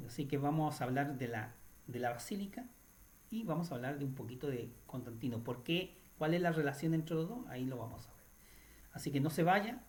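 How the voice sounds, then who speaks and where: A man's voice: medium pitch, a little mellow. A man hosting a Catholic radio program, retelling a story in a chatty teaching style, often tacking "right?" onto his sentences and restarting phrases. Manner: adds tag questions like "right?", with restarts.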